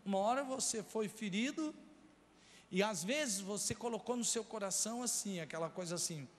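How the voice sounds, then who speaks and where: Man, Brazilian Portuguese accent, pastor, earnest storytelling sermon, fairly high voice. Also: moderate pace, big-room sound, a little hiss or hum. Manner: earnest personal storytelling, addressing the congregation directly.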